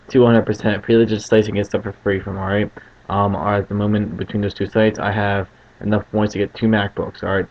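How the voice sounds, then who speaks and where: Guy doing laid-back card trick patter, gravelly and monotone, keeps checking in, muffled lo-fi mic. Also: on the low side. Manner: checks in constantly with short tag questions. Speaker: card trick tutorial host. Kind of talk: casual card magician patter, demonstrating and explaining a trick step by step. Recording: muffled lo-fi home recording with faint noise.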